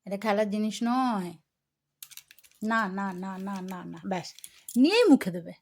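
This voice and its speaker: A woman's voice: lively intonation, moderate pace. A woman from Bengal at home, talking to her cat in playful baby talk, coaxing and scolding by turns. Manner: coaxing, scolding playfully, swings between high squeals and soft murmurs. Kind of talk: affectionate baby talk to a pet. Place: home, indoors.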